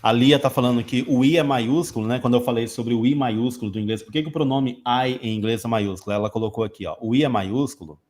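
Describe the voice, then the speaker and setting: A man's voice: medium pitch, fast, hardly any pauses, darkish tone. Brazilian male teacher, mid-range voice, casual live-stream host answering questions in an explanatory tone. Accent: Brazilian Portuguese. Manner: explanatory, teacherly, gives everyday examples. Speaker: English teacher hosting a live Q&A.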